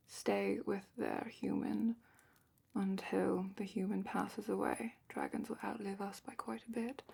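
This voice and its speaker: Woman as slow, breathy, whispering dragon instructor. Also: medium pitch, full character voice. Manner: hushed, unhurried, explanatory. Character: female dragon expert, calm, matter-of-fact instructor. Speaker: ASMR roleplay performer. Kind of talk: soft-spoken fantasy ASMR roleplay, partly whispered.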